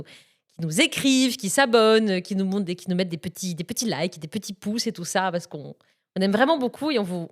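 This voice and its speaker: A young woman hosting a casual film podcast, bubbly and chatty, laughing often as she talks. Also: medium pitch. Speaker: podcast host.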